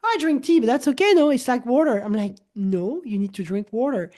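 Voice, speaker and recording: Brisk and on the high side, this voice belongs to a native French-speaking woman in her forties. As a wellness coach host chatting casually, she's animated, restarts and repeats herself, and frequently performs quoted dialogue.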